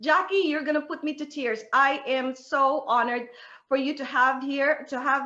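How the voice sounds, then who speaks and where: A woman projects a raised, high-pitched voice with a bright, sharp tone, fairly even intonation, and a moderate pace. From Philippines. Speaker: author and event host. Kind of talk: live online book launch interview. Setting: video call.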